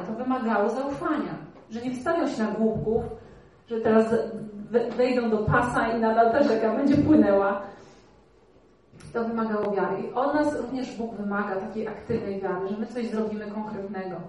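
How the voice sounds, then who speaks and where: A woman preacher with a fairly high voice teaches her congregation earnestly, often checking in with rhetorical questions. Her voice rings around a big reverberant hall, picked up from some way off the mic. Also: warm tone. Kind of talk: sermon. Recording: very echoey hall, voice from far off.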